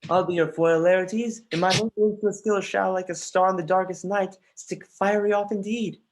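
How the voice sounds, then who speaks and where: An earnest, brooding young prince played by an actor in a dramatic reading, speaking Shakespearean verse at a middle pitch. There is a playful defiance under the courtly words, heard over a livestream. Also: steady tone, normal speed, darkish tone, lightly acted. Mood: courteous, wry. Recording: livestreamed remote call.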